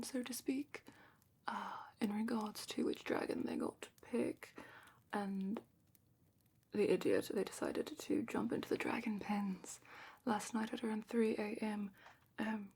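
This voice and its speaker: A woman playing a weary, wry, slightly superior female official at a dragon academy, in a soft whispered ASMR roleplay. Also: fairly high pitch, gravelly, slightly rough, exaggerated voice. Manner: slow, dry, slightly superior, formal.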